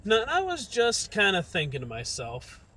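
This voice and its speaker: Chatty young guy driving and talking to viewers, bouncy voice on the high side, loud car hum. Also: wildly swooping pitch, moderate pace. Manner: rambling, chatty, friendly asides to viewers. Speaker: massage therapist vlogger. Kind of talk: casual live-stream chat while driving. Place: inside a car. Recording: loud road and car noise.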